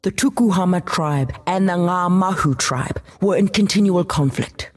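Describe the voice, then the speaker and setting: A woman's voice: lowish voice, normal speed, lightly acted. Woman playing an earnest keeper of tribal traditions. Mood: proud, instructive. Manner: earnest, solemn. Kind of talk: fantasy game character monologue.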